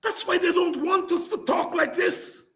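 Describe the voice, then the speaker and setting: Fiery high-voiced man orating. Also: moderate pace. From Guyana. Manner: fiery, declamatory, repeats phrases for emphasis, breaks into shouts. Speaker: podcast host and political speaker. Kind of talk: impassioned political address.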